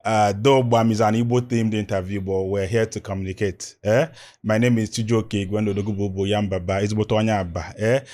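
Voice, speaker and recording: This is a man with a Nigerian accent hosting an interview. He talks in a loose, chatty way, with drawn-out asides between his questions. His voice sits somewhat low. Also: a little mellow. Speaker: interview host.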